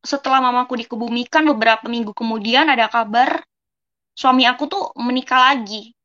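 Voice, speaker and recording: A woman's voice: sits high, a bit bright, dull audio. Earnest young woman telling her story. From West Java, Indonesia. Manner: earnest, keeps addressing listeners as friends, acts out dialogue. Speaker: testimony speaker. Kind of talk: personal testimony, casual storytelling.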